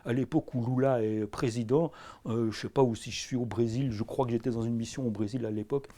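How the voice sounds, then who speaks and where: A man's voice: medium pitch, fairly even intonation, fast, mellow. A middle-aged man with a Belgian French accent, an anthropology professor answering in a filmed interview, hesitant with many fillers and restarts. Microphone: camera crew sound.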